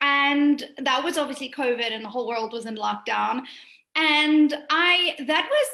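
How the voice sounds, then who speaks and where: In a South African accent, a woman with a high-pitched, bright, sharp voice speaks at a moderate pace, raised and projected. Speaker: pageant contestant. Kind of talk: testimonial interview.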